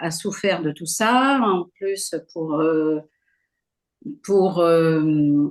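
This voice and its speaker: Speaking at a very slow pace, a woman uses a fairly low pitch and ordinary pitch variation. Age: 60s. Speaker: former shopkeeper sharing health testimony. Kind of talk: testimony. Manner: halting, many hesitations.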